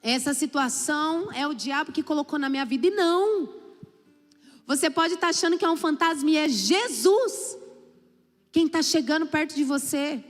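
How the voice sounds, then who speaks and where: Uma pastora brasileira pregando um sermão, contando histórias e dramatizando diálogos, com exclamações fervorosas. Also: female voice, high-pitched, normal speed. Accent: Brazilian Portuguese. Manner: storytelling, acts out dialogue, rising to fervent exclamations. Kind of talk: sermon. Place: church hall. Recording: church PA with long reverb and faint music.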